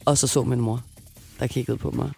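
A young woman co-hosting a radio show, telling an embarrassing story in an animated, laughing way. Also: extremely low pitch, vocal fry, breathy edge, faint music behind. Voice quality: lively, animated, laughs a lot. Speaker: radio co-host. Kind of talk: casual storytelling chat.

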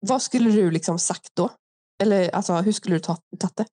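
A young woman chatting casually as a podcast host, talking through a reality show with animated asides. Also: mid-range voice, no room sound, clean studio sound.

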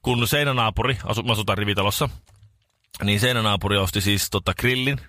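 A male radio morning show host telling a rambling, animated anecdote in casual chat, with many restarts. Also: lowish voice, no echo, clean studio sound.

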